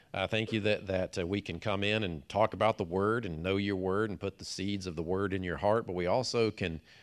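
A normal speaking voice from a man, fairly low in pitch, at a fairly quick pace with fairly even intonation, in a dry, close sound with no echo over a quiet background. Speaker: pastor. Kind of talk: sermon. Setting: church.

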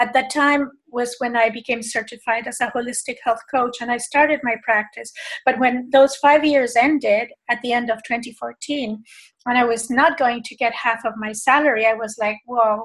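The speaker has a Spanish accent and talks at a moderate pace. The intonation stays flat and monotone. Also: woman, high pitch for a woman. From Argentina, Buenos Aires. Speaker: women's coach. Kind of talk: interview. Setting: video call.

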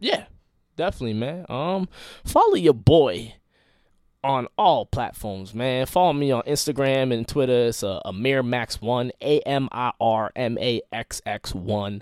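A man with an American accent, energetic in tone, at a medium pitch and fairly slow pace, with a dry, close sound and no echo. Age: 20s. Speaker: podcaster and rapper. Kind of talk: casual chat.

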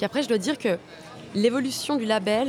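A woman's fairly high-pitched voice at a fairly quick pace, with crowd noise in the background. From Switzerland. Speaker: DJ and producer. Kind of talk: interview.

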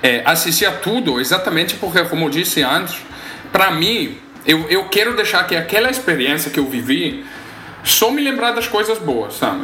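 A man speaks at a high pitch and a moderate pace, with very wide pitch swings. Noticeable background noise and audible room echo fill the recording. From Italy. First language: Italian (speaking Portuguese). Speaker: chef, cooking show contestant. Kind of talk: casual chat.

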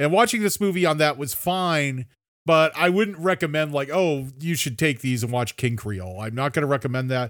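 A man with a plain, everyday voice, fairly high in pitch, lively intonation and a moderate pace, on a very clean recording with a silent background. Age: 50s. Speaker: podcast host and true crime author. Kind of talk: casual chat.

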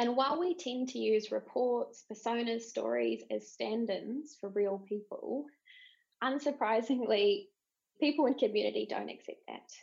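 Speaking at a moderate pace, a woman has a New Zealand accent. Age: young. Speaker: design researcher. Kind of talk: conference talk.

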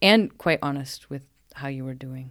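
A woman with an American accent speaks at a moderate pace in a very deep, low voice, captured on a very clean recording with a silent background. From US Pacific Northwest, Portland, Oregon. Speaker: dancer and choreographer. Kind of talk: casual interview.

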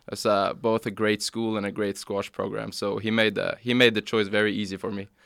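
On a very clean recording with a silent background, a man with a Norwegian accent speaks fairly quickly in a fairly low, flat monotone. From Norway. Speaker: college squash player. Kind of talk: interview.

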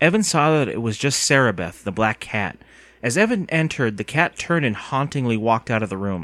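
Lively intonation over plain reading aloud.

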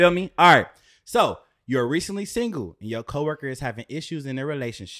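A man with a bright, sharp tone at a fairly high pitch, very wide pitch swings and a fairly quick pace, on a very clean recording with a silent background and a dry, close sound with no echo. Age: 20s. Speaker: podcast host. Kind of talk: casual chat. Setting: studio. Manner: animated.

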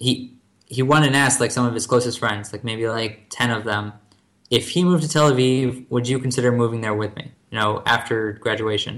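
At a moderate pace, a man with an American accent uses an ordinary speaking voice, a medium pitch and fairly even intonation. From New Jersey, US. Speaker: business development manager, former student leader. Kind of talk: interview. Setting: remote call.

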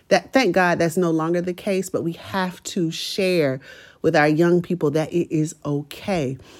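A woman with a normal speaking voice talks at a fairly slow pace in a fairly low pitch, her intonation fairly even, on a very clean recording with a silent background. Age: 50s. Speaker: podcast host and educator. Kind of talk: solo podcast monologue. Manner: casual, conversational.

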